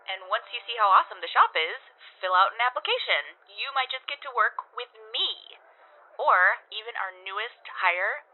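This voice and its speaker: A perky, talkative young-spirited shop girl rambles through her own homemade radio ad, thoroughly pleased with herself. Her pitch bounces around in a lively, conversational way. The sound is narrow and tinny, like a radio transmission. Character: chatty, bubbly, self-congratulating woman shop worker recording an ad.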